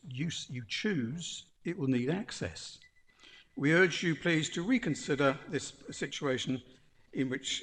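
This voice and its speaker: A man with an English accent giving a formal, persuasive prepared statement to a council planning committee. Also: medium pitch. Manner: earnest, persuasive, measured. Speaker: speaker addressing planning committee. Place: council chamber. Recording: council webcast with long hall reverb.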